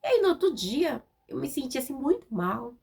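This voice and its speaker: A woman's voice: high-pitched, very animated, moderate pace, creaky, darkish tone. A woman with a Brazilian Portuguese accent preaching a conversational sermon, direct and informal, often checking in with tag questions.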